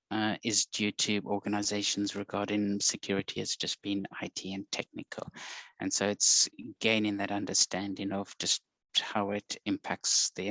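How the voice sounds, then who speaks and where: A man in his forties with a South African accent, speaking as a guest on a video call interview in a measured, explanatory way. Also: on the low side, sharp tone, no echo, low-quality recording. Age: 40s. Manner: measured, explanatory, with frequent ums and uhs.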